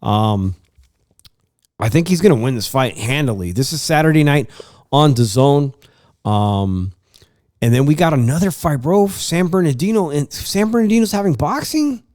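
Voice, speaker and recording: A man's voice: a little high, lively intonation, moderate pace, a little mellow, dry recording, clean studio sound. A congested man hosting a sports podcast, chatting casually about baseball and boxing, rambling with many uhs and restarts.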